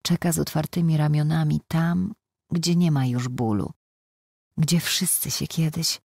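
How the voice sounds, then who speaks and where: A devout, gentle mother in an audiobook, voiced by the reader, speaking soothingly. The voice is gravelly and husky, recorded close and dry. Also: deep voice, steady tone, unhurried, dry recording, full character voice. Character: devout mother comforting a dying boy.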